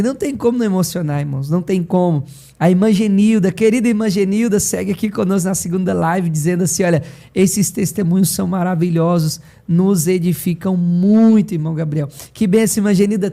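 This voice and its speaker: Brazilian host reading live comments. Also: male voice, high-pitched, creaky. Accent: Brazilian Portuguese. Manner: reads out viewer comments warmly. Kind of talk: hosting a live church broadcast.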